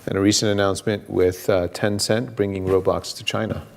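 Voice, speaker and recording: Lowish-voiced male panel moderator. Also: level tone, a little fast, creaky. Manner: hesitant, uses many filler sounds. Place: conference stage.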